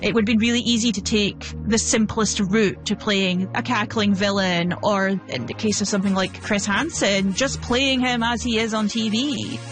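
A woman's voice: mid-range voice, steady tone, normal speed, hardly any pauses. Woman critic over prominent music. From Scotland. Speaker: pop culture critic. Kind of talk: film commentary. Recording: music under the voice.

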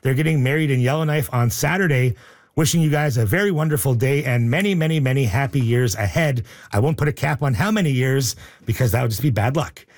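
A man hosting a radio call-in show, upbeat and joking, reading out the phone number slowly. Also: mid-range voice. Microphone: studio microphone.

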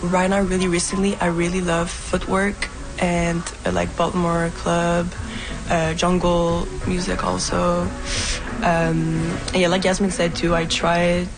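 Student woman, relaxed and filler-heavy, flat low delivery, music loud behind. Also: unhurried, rough recording. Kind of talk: interview answers.

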